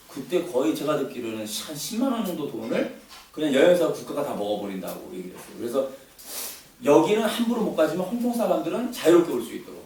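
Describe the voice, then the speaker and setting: A man whose voice is a little high and a little mellow gives a relaxed lecture to listeners, talking conversationally and often using fillers and repeating words. The distant mic picks him up in a very echoey room with faint noise.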